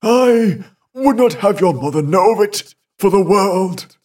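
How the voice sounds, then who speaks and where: A man's voice: sits high, lively intonation, unhurried, a little mellow, recorded from a distance, pitched above the performer's own voice. A male narrator voicing a flustered elderly father in a ghost story, exclaiming and giving orders. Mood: shaken. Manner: blustering, exclaiming, then commanding.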